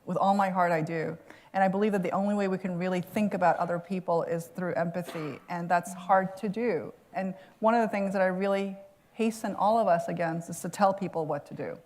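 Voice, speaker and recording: A woman's voice: lowish voice, fairly quick, a little mellow. A woman author answering an audience question at a lecture, earnest and reflective, laughing now and then. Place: lecture hall.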